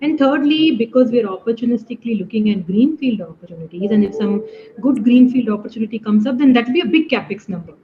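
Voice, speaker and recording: A woman's voice: fairly high pitch, animated, quick pace. A woman with an Indian accent speaking as a finance executive, answering questions on an earnings call. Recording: dull call line, faint noise.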